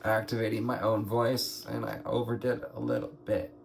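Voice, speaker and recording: Male tarot reader, hoarse and gravelly, unhurried, meandering delivery, faint noise underneath. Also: on the low side, level tone. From United States. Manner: slow, meandering, musing aloud with pauses and throat clearing. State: hoarse, scratchy throat. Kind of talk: slow spiritual card reading.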